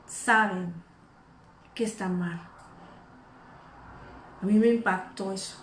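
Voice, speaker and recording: A woman preaching an informal sermon, animated and acting out the people she speaks of. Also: on the high side, echoey room, slight background noise. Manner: animated, acts out imagined speakers.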